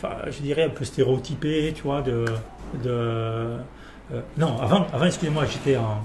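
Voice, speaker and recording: A winemaker in his 40s from Perpignan, France, talks through his career as a guest in a casual interview, hesitant and full of fillers and restarts. His medium-pitched, darkish voice moves at a normal speed. The room is echoey, with faint ambience and slight background noise.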